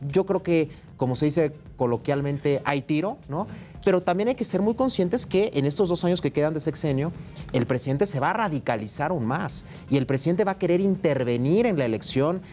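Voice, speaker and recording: A man from Mexico, a political guest on a panel show, arguing his points in an emphatic, steady way. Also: a little high. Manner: emphatic, argumentative. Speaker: opposition party politician guest.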